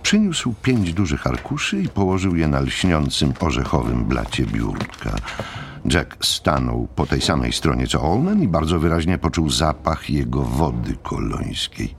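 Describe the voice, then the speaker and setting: Male narrator for dramatized novel: extremely low, expressive delivery, faint ambience behind. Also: measured pace, vocal fry, a little hiss or hum. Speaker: audiobook narrator.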